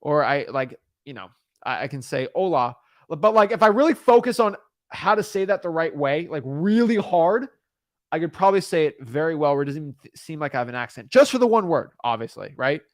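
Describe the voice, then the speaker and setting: A man's voice: a little high, big pitch swings, brisk, no room sound, studio quality. A young man giving rambling, repetitive real estate advice, full of fillers and restarts. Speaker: real estate wholesaling coach. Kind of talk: casual talking-head advice.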